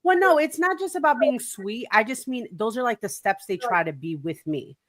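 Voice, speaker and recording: A woman co-hosting a talk show in casual, animated chat, laughing and putting on playful voices as she talks. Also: fairly high pitch, moderate pace, no room sound, studio quality. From Puerto Rican heritage. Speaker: podcast co-host.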